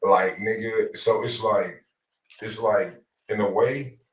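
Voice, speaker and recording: Echoey, low-voiced man chatting off the mic. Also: slow pace, recorded from a distance. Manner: slangy, profane, repetitive storytelling. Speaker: radio show co-host. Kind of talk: casual chat.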